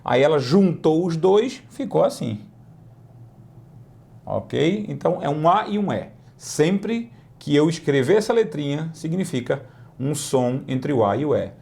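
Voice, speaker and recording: A man teaching an English lesson, with slow, drawn-out model pronunciations between quick explanations. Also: a little high, animated, vocal fry, dark tone. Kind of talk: lively language lesson.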